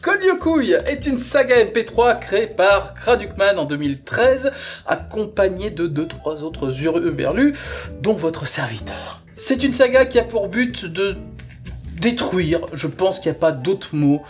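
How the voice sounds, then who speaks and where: A man's voice: high voice, sing-song, a little slow, faint music behind. A man hosting a review show, chatting casually as he presents and gives his opinion. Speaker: host reviewing audio sagas.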